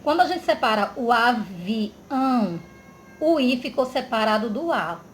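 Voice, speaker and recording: A woman teacher from Brazil giving a slow grammar lesson for children, drawing out words and checking in often. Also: high voice, animated. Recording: echoey room with faint background noise.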